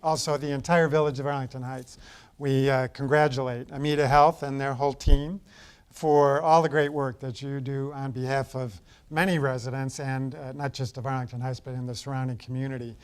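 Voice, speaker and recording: A male mayor speaks at a board meeting, formally congratulating an organization as he presents an award. His delivery is measured, with an occasional filler between phrases. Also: medium pitch, level tone, clean tone. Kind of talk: formal public remarks. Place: council chamber.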